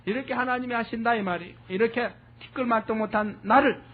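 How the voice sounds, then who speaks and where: Male pastor, very high voice, earnest sermon delivery, thin phone-like recording. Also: fast, slight background noise. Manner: earnest preaching, rhetorical questions to the congregation. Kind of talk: expository sermon. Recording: tinny phone-like lo-fi audio.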